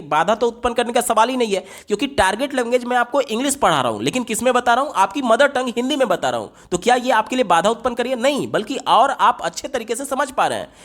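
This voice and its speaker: A man, a teacher working through exam questions. He reads the English question text slowly and explains it at length, repeating key points. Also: very high voice, fairly bright tone. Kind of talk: exam-prep lesson explaining answer options.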